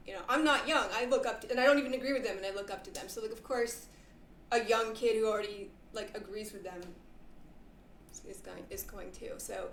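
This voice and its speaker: A woman in her thirties chatting casually on a live stream, sounding stoned, spacey and halting as she rambles through her commentary. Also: a little high. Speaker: streamer reacting to a debate. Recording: roomy echo, noticeable background noise.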